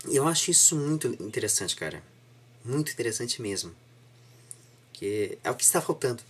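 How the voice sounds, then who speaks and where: A young Brazilian man speaks as an interviewer in a casual, reflective chat. His mid-pitched voice is husky and a little rough. He phrases things haltingly and earnestly, often restarting his thought. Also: big pitch swings, a bit bright. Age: young adult. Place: small home room indoors, seated on a sofa.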